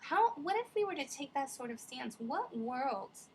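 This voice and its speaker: A woman's voice: high-pitched, sing-song, a little slow, a little mellow, slight background noise, low-quality recording. A woman vlogger musing in casual, rambling reflective commentary, digressing often with many fillers.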